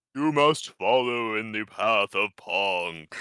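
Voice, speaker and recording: Using a put-on character voice, a man booms at a medium pitch and a fairly slow pace. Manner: commanding, domineering.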